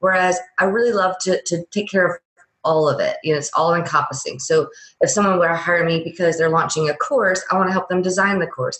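In a Southern US accent, a woman talks at a fairly quick pace. Her pitch is medium and her intonation fairly even. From US South. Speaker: branding expert and designer. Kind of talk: casual interview.

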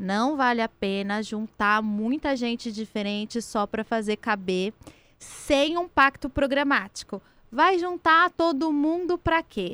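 A woman's high voice, bright and sharp, with lively intonation and a fairly slow pace. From São Paulo state, Sorocaba region (Itu). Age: 30s. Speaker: state legislator. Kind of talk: interview.

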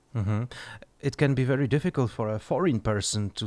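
A man with a Polish accent talks at a moderate pace and medium pitch, with ordinary pitch variation. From Poland. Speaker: podcast host. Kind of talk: interview.

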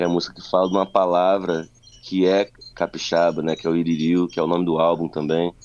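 Speaking very fast, a man delivers a very deep, low voice in a monotone, flat intonation. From Brazil, Espírito Santo (Vitória). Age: 30s. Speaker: musician. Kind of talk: interview. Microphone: occasional line dropouts.

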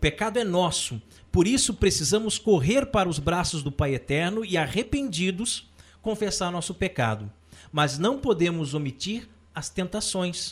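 Here a man speaks with a high pitch. His pitch swings very widely. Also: moderate pace. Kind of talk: religious talk show. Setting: studio.

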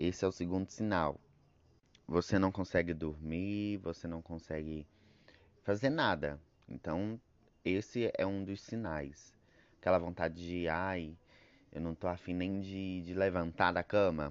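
A man's very deep, low voice at a fairly slow pace, with fairly even intonation and long, frequent pauses. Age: 20s. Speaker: podcaster. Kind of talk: solo podcast monologue. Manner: hesitant, with fillers and repetitions.

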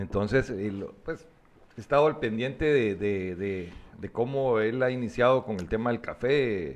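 A man with a Guatemalan accent talks at a fairly slow pace. His pitch is medium, with ordinary variation. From Guatemala, Jutiapa. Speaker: mountain biker. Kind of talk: casual chat.

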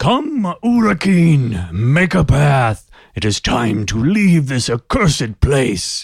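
A man's put-on character voice, fairly high in pitch, very slow, with very wide pitch swings. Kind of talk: fantasy villain speech. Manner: grave, formal, proud.

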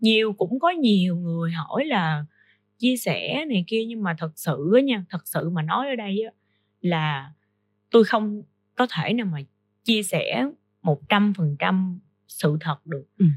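A somewhat breathy woman at medium pitch, fairly slow, with very wide pitch swings and long, frequent pauses. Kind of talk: casual interview chat.

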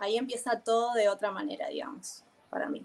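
A woman's high voice moves at a fairly slow pace, rising and falling in an ordinary way. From Buenos Aires and Paraguay (moved to Asunción at 11). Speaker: Paraguayan harp performer. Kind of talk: casual interview.

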